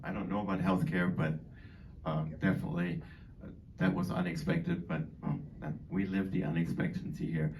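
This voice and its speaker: A middle-aged man from Boston, raised in Germany, talks to residents in a deep, chatty way, wandering between points with plenty of ums. He is heard from a distance from the microphone. Faint background noise fills the gaps. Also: expressive, normal speed, vocal fry, darkish tone. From born in Boston, grew up in Germany. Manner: rambling and chatty, many fillers. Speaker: dining director. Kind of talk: informal speech to an audience. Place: community hall.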